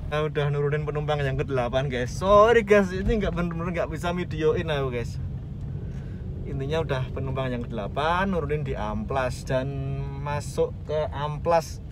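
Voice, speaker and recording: A man with a Javanese accent talks casually to his viewers in a fairly high voice. He sounds like a working driver making an informal, grumbling vlog. Car and road noise is clearly heard around him. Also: moderate pace. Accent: Javanese regional. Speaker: ride-hailing driver and vlogger. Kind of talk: casual vlog chat while driving. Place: inside a car driving through streets.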